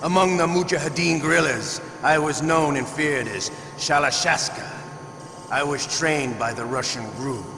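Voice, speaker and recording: A man playing a proud, sadistic villain in a video game, an interrogator with a gravelly voice and a menacing, boastful manner. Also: medium pitch. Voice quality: creaky, gravelly. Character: sadistic, proud Russian-trained male interrogator, theatrical villain. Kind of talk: dramatic video game voice acting. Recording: long reverb, loud background noise.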